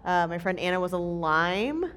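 A woman's voice: lowish voice, expressive, normal speed, a bit bright, smooth. A woman in her late twenties co-hosting a live podcast, telling a rambling, laughing story with casual swearing. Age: 20s. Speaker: podcast co-host.

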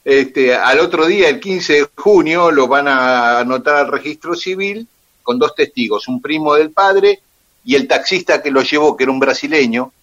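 A man's voice: a little high, normal speed, muffled recording. Argentine man telling history on radio. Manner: detailed, steady, with "eh" and "este" fillers. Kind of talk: storytelling on radio.

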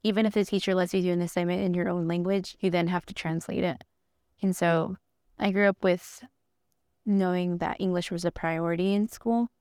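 A young woman from Atlanta, a Spanish native speaker, talks thoughtfully and pauses often with ums and likes. Her voice sits a little low and stays fairly level in pitch. The recording is dry, with no room sound around her. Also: fairly even intonation, darkish tone, clear, resonant tone, no room sound. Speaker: art teacher. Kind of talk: reflective podcast interview.

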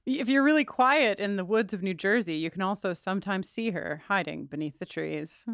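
A woman's voice: medium pitch, normal speed, creaky, smooth, no room sound, studio quality. A woman co-hosting a podcast, chatting casually and playfully, often laughing. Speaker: podcast co-host. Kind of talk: casual chat.

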